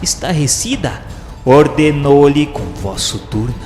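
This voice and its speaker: A man's voice: a little high, expressive, slow pace, a little mellow. A man narrating a radio novela from a script, with solemn, theatrical delivery and literary phrasing. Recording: echoey long reverb, music underneath. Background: clear background music.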